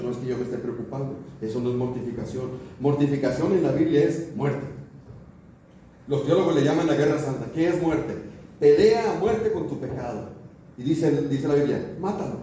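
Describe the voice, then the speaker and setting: A man's voice: fairly high pitch, dark tone, slight background noise. A man preaching a sermon as pastor, in a conversational way with everyday examples and frequent questions to the congregation. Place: church sanctuary. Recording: roomy distant church recording.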